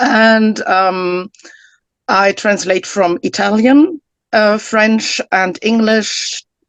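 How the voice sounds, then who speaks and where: In a German accent, a woman with a fairly high pitch speaks at a very slow pace, the sound dry and close with no echo. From Germany. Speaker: literary translator. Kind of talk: casual chat. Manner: halting.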